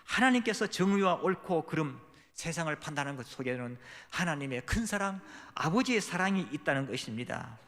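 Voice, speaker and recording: A middle-aged pastor delivers a sermon, his voice sitting a little high for a man. He shifts into the voices of the people in his story as he acts out their prayers and their talk. The church sanctuary adds a long, lingering reverb. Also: lively intonation, fairly quick, fairly bright tone. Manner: dramatic, acts out quoted prayers and dialogue.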